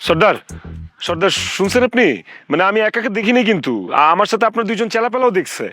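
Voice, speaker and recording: Rich: A man doing a flustered visitor who stammers and pleads his way through excuses. His voice is quick and a little high, with music running behind it. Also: expressive, bright, forceful tone, heavily acted. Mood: pleading.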